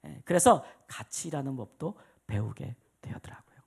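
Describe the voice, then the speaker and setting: A man's voice: medium pitch, expressive, normal speed, creaky, darkish tone, slightly rough. A middle-aged male pastor from South Korea giving a personal testimony in a Sunday sermon, telling stories and acting out the voices in them. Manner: storytelling, acts out his mother's and his own voices. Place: church sanctuary.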